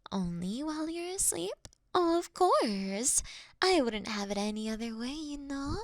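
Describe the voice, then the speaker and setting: A woman's voice: a little high, vocal fry, no room sound, studio quality, exaggerated voice. A woman playing a courteous, doting vampire in a scripted roleplay, speaking intimately and breathily, often slipping into a whisper. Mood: gentle, grateful. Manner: slow, intimate, gently theatrical. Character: female vampire, courteous, doting, wryly confessing to her sleeping prey. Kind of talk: scripted roleplay audio for one listener.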